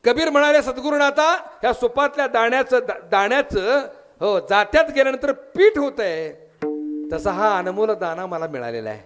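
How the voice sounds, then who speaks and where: A man's voice: very high voice, normal speed, fairly bright tone, faint music behind. A man with a Marathi accent preaching a devotional kirtan sermon, telling a story, voicing its characters and breaking into sung verses. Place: temple hall with audience.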